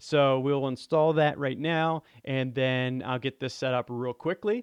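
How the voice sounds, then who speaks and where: The man talks at a medium pitch with fairly even intonation. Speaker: web developer teaching online. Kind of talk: tutorial webinar. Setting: live webinar with screen share. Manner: fast.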